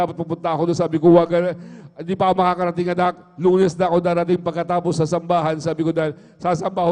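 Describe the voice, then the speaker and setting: This middle-aged man's voice sits on the high side and is a little mellow. At a worship service in a church hall, he gives an earnest spoken testimony, returning to "mga minamahal" to address the congregation over and over, heard via a livestream with long hall reverb.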